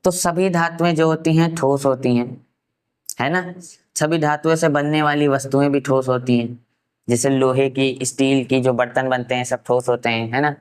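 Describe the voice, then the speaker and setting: Man with a smooth, resonant teaching voice. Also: medium pitch, fairly even intonation. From Uttar Pradesh, India. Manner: asks rhetorical questions and answers them himself; repeats key terms slowly for note-taking. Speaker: science teacher. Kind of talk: classroom science lecture.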